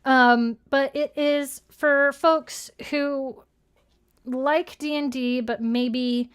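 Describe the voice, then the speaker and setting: High-voiced woman co-hosting a chatty stream. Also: fairly even intonation, extremely slow, clean tone. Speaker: show co-host. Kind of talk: casual livestream announcements and chat.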